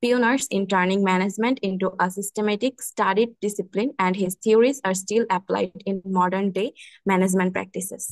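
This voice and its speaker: A woman with a Bangladeshi accent reading a prepared speech in English. Her intonation stays flat and level. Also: medium pitch, very slow, dry recording, low-quality recording. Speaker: student giving a speech.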